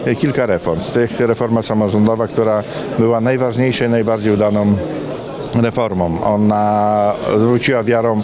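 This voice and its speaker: An older man with a fairly low voice gives a halting interview, often filling pauses and correcting his words. A crowd chatters clearly behind him at the event. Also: level tone. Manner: hesitant, with many fillers and self-corrections. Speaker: interviewee, regional official. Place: conference hall by a sponsor wall.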